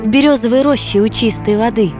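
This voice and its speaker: A woman voicing a gentle, resourceful young captive maiden in an animated fairy tale. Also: fairly high pitch, quick pace, music in the background, close to an everyday voice. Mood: composed, feigned compliance.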